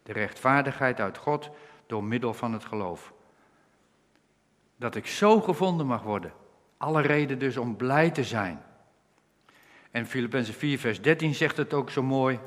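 A preacher delivers an earnest, animated sermon in a medium-pitched, slightly bright voice, explaining Bible passages line by line. A long reverb from the hall trails his words, and he slows down whenever he quotes scripture.

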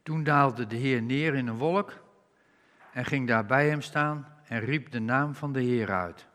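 A man preaching a sermon, reading scripture slowly and with emphasis and rising on key words. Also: mid-range voice, fairly bright tone. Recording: reverberant hall.

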